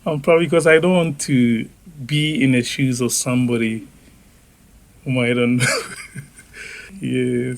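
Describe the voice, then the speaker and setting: A man giving his own opinion in a deliberate way, pausing often and using fillers. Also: mid-range voice. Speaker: interviewee. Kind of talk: unscripted personal opinion.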